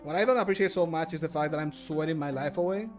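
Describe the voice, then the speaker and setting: A man's voice: fairly high pitch, fast, faint music behind. Jokey man chatting casually on a livestream. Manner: jokey, self-commenting, casually sweary. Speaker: streamer recording mod voice lines. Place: small home room.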